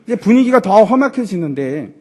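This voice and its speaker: A pastor preaches to his congregation in a church with lively energy. The man's voice sits high and swings widely in pitch. It has a slightly husky edge. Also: fairly quick. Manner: animated preaching with rhetorical questions to the congregation; acts out quoted lines in character voices. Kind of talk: sermon. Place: church sanctuary.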